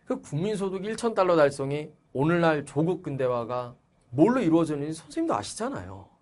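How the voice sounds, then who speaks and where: A man reading aloud as a polite, scheming middle-aged labor manager, speaking low and hushed to press his point. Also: very animated, fairly quick. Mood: pressuring.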